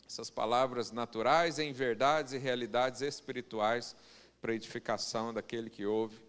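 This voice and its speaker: A man from Goiânia with a Brazilian Portuguese accent, preaching a sermon as pastor and slowing into loud, emphatic scripture readings. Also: medium pitch. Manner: swells loud and slow on scripture quotes. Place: church hall. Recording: long church-hall reverb.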